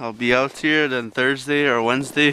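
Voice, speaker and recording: A man talks at a moderate pace, the sound dry with no echo and light background noise behind him. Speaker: fisherman vlogger. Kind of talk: casual vlog chat. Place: open country. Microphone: phone near.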